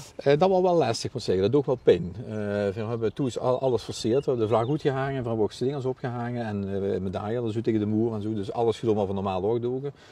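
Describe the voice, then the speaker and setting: At a very fast pace, a man speaks with a dark, mellow tone at a medium pitch. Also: ordinary pitch variation. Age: 60s. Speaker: retired provincial governor. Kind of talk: casual interview. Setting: outdoors on a hillside.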